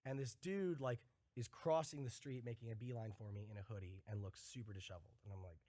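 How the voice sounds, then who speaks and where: Brief: quick, mid-pitched man telling an animated story, dry close sound. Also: no echo. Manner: animated storytelling, acts out the voices of people in his story. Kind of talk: casual podcast chat.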